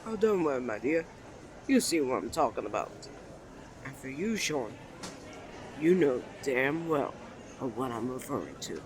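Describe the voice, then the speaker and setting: A man's voice: mid-range voice, sing-song, unhurried, long pauses. Guy acting as a cocky flirty twin brother, asmr roleplay, voice swings around a lot, city noise behind. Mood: taunting, playful. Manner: suave, taunting, theatrical.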